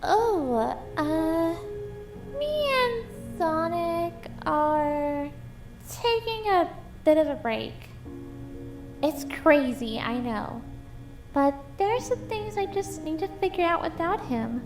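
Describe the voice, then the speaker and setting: Casting: woman as kindly young cartoon hedgehog heroine, very high voice, slow earnest delivery, audio drama. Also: sing-song, music in the background, heavily acted. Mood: hesitant, thoughtful.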